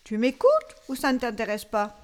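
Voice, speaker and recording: A woman's voice: fairly high pitch, steady tone, moderate pace, clear, resonant tone, lightly acted. A woman playing a patient, easily flustered storyteller who coaxes a child along in a comic radio dialogue. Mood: mildly exasperated. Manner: hesitant, coaxing, as to a child.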